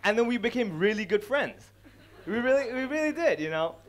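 Animated young man doing stand-up. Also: very high-pitched, slight background noise. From Hong Kong. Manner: animated, acts out characters with quick voice changes. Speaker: stand-up comedian. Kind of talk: stand-up comedy talk. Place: large dark stage before a live audience. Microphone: headset mic.

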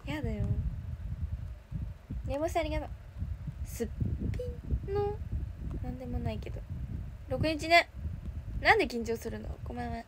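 A woman's voice: sits high, expressive, moderate pace, long pauses. A woman with a Kansai accent, chatting casually on a livestream, reading and thanking viewer comments. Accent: Kansai Japanese. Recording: noisy background.

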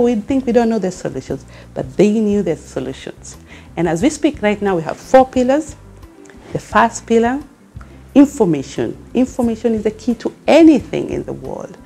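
The founder and CEO of a women's network, a middle-aged Kenyan woman with a Kenyan accent, talks earnestly to camera in a warm, medium-pitched voice. She asks rousing questions from a furnished indoor studio lounge with a fireplace.

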